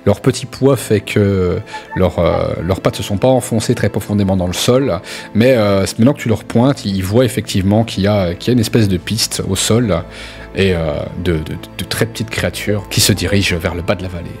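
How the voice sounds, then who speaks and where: A man narrating a tabletop roleplaying game as game master, improvising descriptions haltingly and addressing players directly. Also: on the low side, darkish tone. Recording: music playing under the voice.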